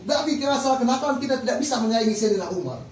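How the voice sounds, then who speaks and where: A man's voice: extremely high pitch, lively intonation, rapid-fire. A man preaching a Muslim sermon, exhorting listeners with rhetorical questions. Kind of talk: religious sermon to an audience. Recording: echoey, distant mic with faint noise.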